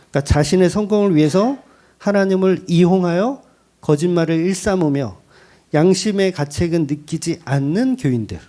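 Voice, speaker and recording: A middle-aged male pastor preaching with a lively, swinging delivery and a mellow, dark tone. He talks candidly and pokes fun at himself between points, keeping the sermon conversational. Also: on the high side. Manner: candid, joking, self-deprecating preaching with laughs.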